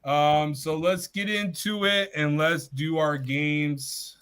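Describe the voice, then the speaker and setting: A man's voice: fairly high pitch, steady tone, slow pace, fairly bright tone, clear, resonant tone. A man hosting a casual sports chat over an online call, upbeat and teasing, often correcting himself as he runs through the weekly picks. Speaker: host running weekly picks.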